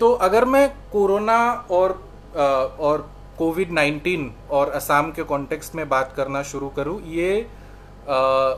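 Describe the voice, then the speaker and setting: Noticeable background noise and audible room echo surround a man's voice. He speaks with a fairly high pitch and lively intonation. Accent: non-native. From Assam, India. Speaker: freelance journalist. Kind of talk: online talk / lecture. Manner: halting, many fillers.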